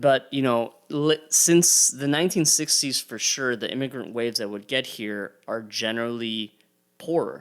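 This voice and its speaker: A man speaks at a medium pitch with a Miami accent. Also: ordinary pitch variation, moderate pace. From Miami, Florida. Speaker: political satirist. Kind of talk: podcast interview. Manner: casual, filler-heavy.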